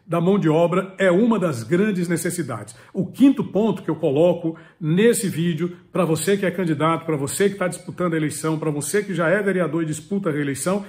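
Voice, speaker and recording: A man's voice: fairly high pitch, fairly quick, hardly any pauses, a little mellow. A man, giving earnest, instructive advice straight to the camera from a home study, repeating key words for emphasis. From Piauí, Brazil. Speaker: political commentator and channel host. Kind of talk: direct-to-camera advice talk. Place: home study with full bookshelves. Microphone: webcam or phone close up, head and shoulders.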